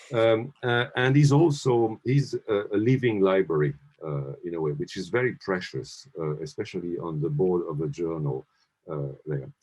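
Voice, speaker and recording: In a French accent, a man speaks with a very deep, low pitch. His pitch swings very widely at a moderate pace. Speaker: academic, architecture lecturer. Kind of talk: event introduction. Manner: halting, many fillers.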